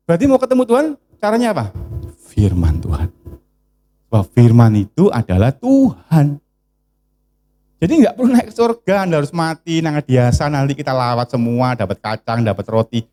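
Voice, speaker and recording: A man preaching a sermon to a church congregation in with a tinge, lively and bantering with his listeners. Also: high voice. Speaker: pastor. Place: church service.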